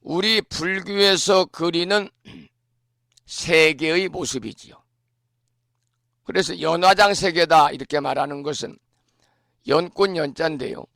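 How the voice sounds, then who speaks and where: Man, Buddhist monk, hoarse from a cold, measured teaching talk, dry close sound. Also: fairly high pitch, a bit bright, dry recording. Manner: clears his throat often; slow, measured teaching delivery. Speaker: Buddhist monk giving a morning broadcast talk. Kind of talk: dharma talk explaining scripture.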